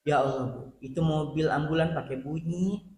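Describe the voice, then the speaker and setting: A male preacher giving an animated sermon to a women's study group, acting out quoted voices as he talks to them directly. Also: a little high, normal speed. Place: mosque hall. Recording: roomy mosque hall, faint background hum.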